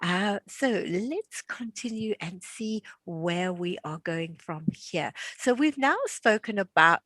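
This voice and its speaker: A woman in her sixties hosts an online class, chatting casually and laughing easily. Her voice sits on the low side and is animated and a bit bright, delivered at a slow pace with no echo.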